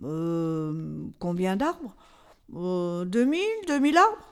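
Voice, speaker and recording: Flustered but patient storyteller played by a woman, slow and very animated, coaxing a child in a comic radio sketch. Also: lowish voice, smooth, exaggerated voice. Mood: storytelling.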